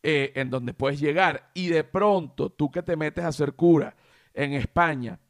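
A Venezuelan man with a slightly high voice talks in a loose, joking podcast chat. He is animated and drags out words when he wants to land a point. The sound is dry and close, with no room around it. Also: measured pace, dry recording. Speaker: podcast host. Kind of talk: casual comedic chat.

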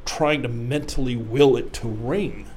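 A middle-aged man on death row, speaking in a halting interview with many fillers and also reading from his own writing. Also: medium pitch, darkish tone, a little hiss or hum.

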